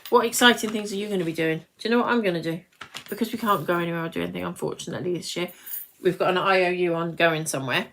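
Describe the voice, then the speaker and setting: A British woman in her late forties, nearly fifty, hosts a live craft demonstration, chatting and rambling as she breaks off to talk to viewers. Her voice sits on the low side with a fairly bright tone, and there's a little hiss or hum in the recording.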